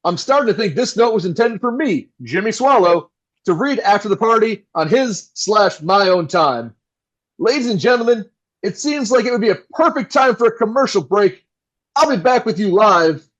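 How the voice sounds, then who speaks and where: A man's voice: high-pitched, animated, normal speed, fairly bright tone, lo-fi sound. A man playing a flustered, melodramatic 1960s New York radio host with theatrical announcer delivery in an audio drama. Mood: flustered, wounded.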